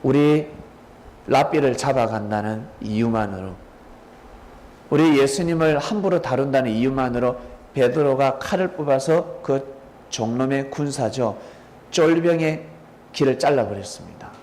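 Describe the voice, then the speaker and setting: A male pastor giving a dramatic storytelling sermon, pausing to quiz listeners by name. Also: medium pitch, a little mellow, a little hiss or hum. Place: church sanctuary.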